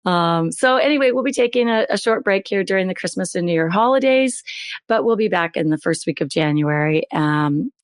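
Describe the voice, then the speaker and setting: A middle-aged woman hosting a podcast with a hoarse voice that is still recovering, chatting in an upbeat way. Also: fairly low pitch, expressive, brisk, no room sound, clean studio sound. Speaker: podcast host. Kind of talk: podcast intro, casual chat.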